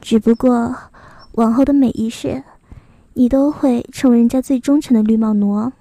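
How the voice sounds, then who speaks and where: A woman's voice: on the high side, fairly even intonation, dark tone, no echo. Woman playing a coy, mocking young woman. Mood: taunting. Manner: coy, teasing, drawn-out sentence endings. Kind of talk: adult fan audio drama.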